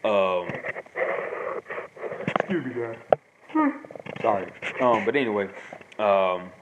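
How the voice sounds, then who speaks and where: Brief: man, lower voice, rambling host monologue, hiss in the background. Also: slow pace, dull audio. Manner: rambling, repeats himself, many fillers. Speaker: host answering viewer questions. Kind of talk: casual monologue. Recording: noisy home recording.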